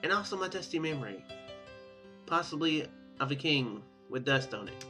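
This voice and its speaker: A man's voice: on the high side, lively intonation, normal speed, bright, forceful tone, soft background music. A man hosting a gaming video, reading a visual novel's text aloud and dropping in casual, offhand comments. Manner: ad-libs offhand remarks, casual and informal.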